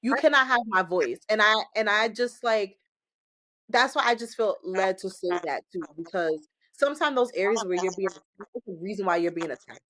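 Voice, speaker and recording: A woman guest giving an animated, emphatic faith testimony, exhorting listeners and laughing often. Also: medium pitch, fairly quick, no echo, low-quality recording. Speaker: podcast guest. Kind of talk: casual testimony-style faith talk.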